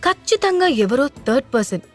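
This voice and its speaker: A woman's voice: high-pitched, big pitch swings, a little fast, soft background music. A woman playing a mocking younger sister. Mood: teasing. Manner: teasing, mocking.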